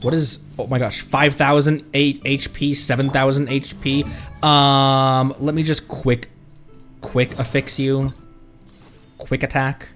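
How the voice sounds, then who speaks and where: A man doing casual gameplay commentary as a streamer, excitable and colloquial, close to the microphone. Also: medium pitch, takes it slowly. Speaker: streamer, VTuber. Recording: faint game music behind voice.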